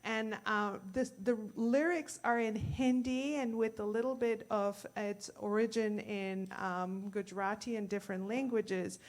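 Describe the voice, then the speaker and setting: A woman's voice: mid-range voice, fairly even intonation, unhurried, hardly any pauses. A woman from India, introducing a hymn at a worship service in a hesitant way, not used to speaking in public. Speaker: congregation member introducing a hymn. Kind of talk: informal talk at a worship service. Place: church sanctuary.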